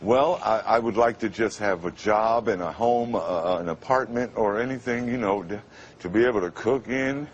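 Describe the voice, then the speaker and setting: A man in his fifties from Brooklyn, a guest on a live TV interview, speaking in a halting, emotional way with many restarts. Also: lowish voice, muffled recording, slight background noise. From Brooklyn, New York. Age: 50s.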